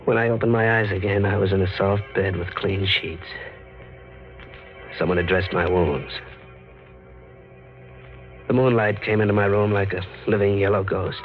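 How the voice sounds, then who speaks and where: A man's voice: on the low side, fairly even intonation, moderate pace, long pauses, lightly acted, poor audio. Casting: male actor for feverish, haunted American man on the run, terse vintage radio thriller delivery, music underneath. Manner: terse, dramatic delivery in short clipped sentences. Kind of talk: 1940s American radio horror acting, first-person narration. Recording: old radio recording with music behind.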